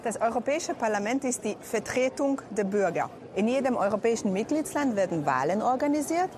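A woman from Hungary who works as an interpreter, speaking German as a second language and explaining things in a friendly, clear way. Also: on the high side, lively intonation, a little fast, a crowd in the background.

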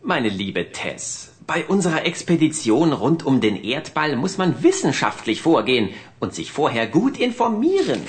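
A woman's voice: deep voice, sing-song, moderate pace, few pauses. A woman voicing an earnest, bookish boy explorer who lectures with matter-of-fact confidence. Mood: know-it-all. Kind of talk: children's cartoon voice acting.

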